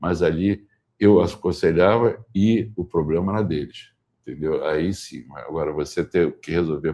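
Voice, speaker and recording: A man with a very deep, low pitch speaks at a fairly slow pace with ordinary pitch variation. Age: 80s+. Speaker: programming professor and author. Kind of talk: interview.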